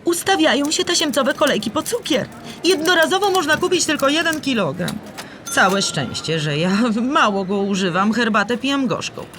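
A woman playing an exasperated city diarist, reading her entries aloud in an expressive, weary manner. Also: sits high, moderate pace, background noise. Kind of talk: dramatised diary reading.

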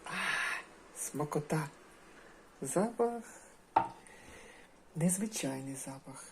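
A woman narrating a casual cooking vlog from her home kitchen, thinking aloud step by step at an unhurried pace. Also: low-pitched, expressive. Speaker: home cook, channel host. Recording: kitchen cooking noise behind voice. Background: sizzling frying pan.

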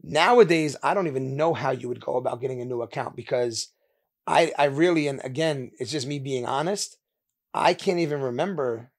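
A man from India in his thirties, a sneaker store owner, tells his story as a guest on a casual interview podcast, candid and animated with quick laughs. His voice is mid-range, and he speaks into a mounted podcast mic, wearing headphones, in an indoor studio lined with sneakers.

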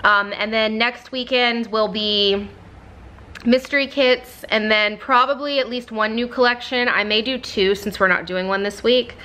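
Her voice is fairly high, pushed and bright, with fairly even intonation and a measured pace. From her home office, the young woman, a vlogger with a small shop, chats casually into a camera mic, full of fillers and baby talk for her puppy.

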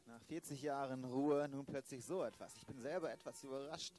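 A man's voice: mid-range voice, a little fast, darkish tone, faint music behind, lightly acted. A man playing a weary older police inspector in an improvised amateur radio play. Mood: dry, appalled.

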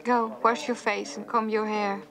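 A woman's voice: mid-range voice, flat delivery, moderate pace, a crowd in the background, natural voice. A woman voicing a brusque, defensive, commanding mother in a family cartoon.

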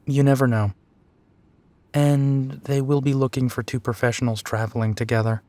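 A man's voice: medium pitch, steady tone, normal speed, warm tone, close to an everyday voice. A man playing a tired, teasing werewolf detective in an intimate audio roleplay. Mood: amused teasing.

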